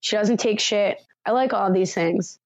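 A woman co-hosting a reality TV recap podcast in casual chat, laughing often and retelling scenes with animated quotes. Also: medium pitch, unhurried, no room sound, lo-fi sound. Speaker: podcast co-host.

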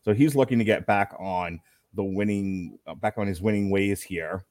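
A man's voice: low voice, moderate pace, darkish tone, dry recording. Chatty male host for a live fight-night stream, jokey asides, dry close sound. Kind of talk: casual live commentary chat.

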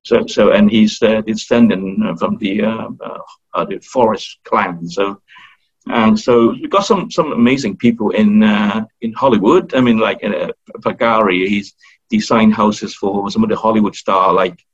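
A man's voice: lowish voice, measured pace, slightly rough. A man with an Australian accent, talking hesitantly as an interview guest with many fillers and restarts. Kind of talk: casual interview talk. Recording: dull lo-fi recording.

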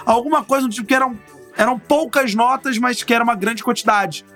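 A man telling a travel story in casual chat, swearing often and bursting into shouted voices. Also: very high-pitched, a little fast, soft background music.

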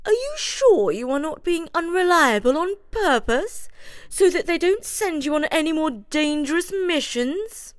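A woman's voice: very high voice, very animated, measured pace, no echo, voice pushed up, exaggerated voice. A woman doing a doubtful lady mouse. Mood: skeptical. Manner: skeptical, questioning. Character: doubtful, stern female mouse.

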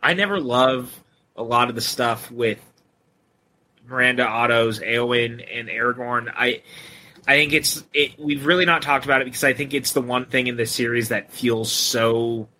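A man's voice: mid-range voice, normal speed, pushed and bright. A man co-hosting a podcast, casually and enthusiastically talking through scenes of a film. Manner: enthusiastic, recounts scenes with quoted lines. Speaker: podcast co-host.

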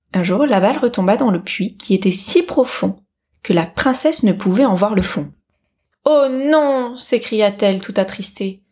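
A woman narrating a fairy tale as a storyteller, in an expressive, animated reading voice. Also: medium pitch.

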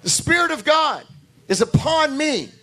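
Hoarse male pastor, high-pitched, repetitive and emphatic preaching style. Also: big pitch swings, measured pace, pushed and bright. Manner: talks to the congregation directly, asking for amens. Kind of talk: sermon.

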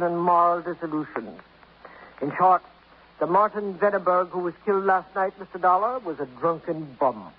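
An actor playing a stern middle-aged literary critic in a 1950s radio drama, speaking in a precise, lofty and contemptuous manner. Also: male voice, fairly high pitch, slightly rough. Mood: scornful. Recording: dull old radio broadcast with faint hiss.

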